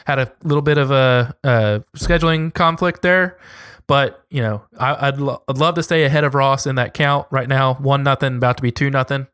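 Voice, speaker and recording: A man's voice: medium pitch, steady tone, normal speed, a bit bright, clear, resonant tone, no echo, clean studio sound. A man co-hosting a casual podcast, rambling in a friendly way as he plugs his social handles. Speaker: podcast co-host. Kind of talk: casual podcast sign-off chat.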